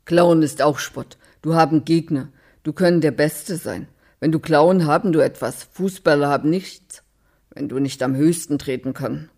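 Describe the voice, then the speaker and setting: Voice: medium pitch, normal speed, lightly acted. A reader voicing a brash young black-haired man who speaks broken, ungrammatical German, read from a screenplay-like text. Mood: pushy. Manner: loud, insistent, ungrammatical pidgin-like German. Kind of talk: reading a screenplay aloud.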